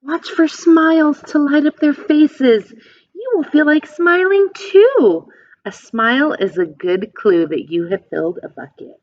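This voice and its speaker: A woman reads aloud to young children like a teacher, taking her time over simple phrases. Her pitch moves up and down in a lively, expressive way as she speaks to her listeners. The recording is a little dull and lo-fi. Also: a little slow. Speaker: teacher reading a picture book aloud. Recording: dull, lo-fi sound.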